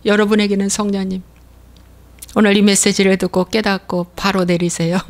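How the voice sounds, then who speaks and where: A woman's voice: mid-range voice, little pitch movement, moderate pace. A woman pastor preaching a sermon with emphasis, repeating key phrases and acting out the voices of complaining believers.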